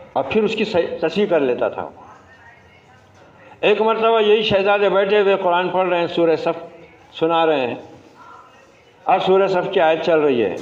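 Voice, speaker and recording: A man giving a Friday sermon in a mosque, teaching and telling a story with slow emphatic stress and exasperated rhetorical asides. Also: a little high, darkish tone. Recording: echoey mosque, dull lo-fi sound.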